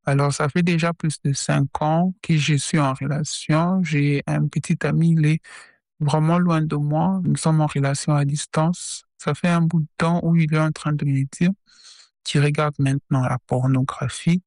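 A woman's voice: deep voice, steady tone, normal speed, darkish tone, no echo. Woman caller behind a voice changer. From DR Congo. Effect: voice changer, disguised voice. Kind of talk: recorded listener message.

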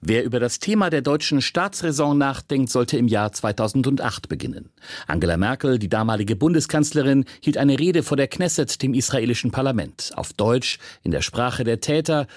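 A man reading a scripted radio report in an even, read-aloud manner. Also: medium pitch, normal speed, dry recording, studio quality. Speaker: correspondent.

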